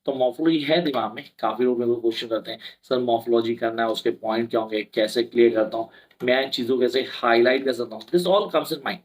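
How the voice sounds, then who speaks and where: A man's voice: mid-range voice, fairly even intonation, a little fast, rough recording. A young adult man tutoring for an English exam in a casual mix of Hindi and English, chatty and reassuring, acting out his students' questions. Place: indoor room with a whiteboard behind him.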